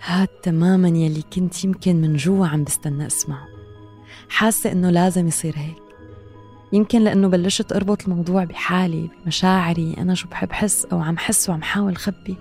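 A woman's voice: on the low side, fairly even intonation, fast, darkish tone, soft background music. A woman with a Levantine Arabic accent, hosting a podcast and narrating in a reflective, introspective way. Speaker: podcast host. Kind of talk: scripted narration.

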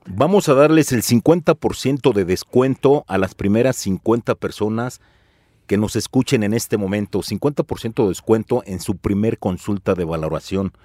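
A man's voice: lowish voice, moderate pace, mellow, no room sound, clean studio sound. A man with a Mexican accent co-hosting a radio show, reading out phone numbers and promotions in a salesy, friendly way.

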